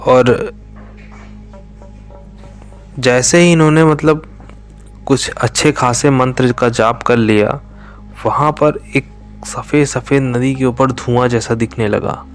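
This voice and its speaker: A man slowly telling a true horror story, his voice sinking to a whisper at tense moments. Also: mid-range voice, fairly even intonation. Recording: faint music behind.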